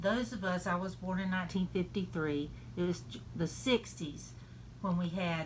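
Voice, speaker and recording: A woman with a Southern US accent speaks at a moderate pace, her fairly low voice showing ordinary pitch variation. Audible room echo surrounds her. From US South, small town. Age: 60s. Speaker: political testimonial speaker. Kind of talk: testimony.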